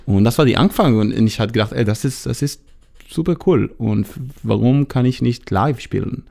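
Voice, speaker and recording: A young man from Israel with an Israeli accent, a musician guest speaking halting German with grammar slips. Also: mid-range voice, vocal fry, dark tone. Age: young adult.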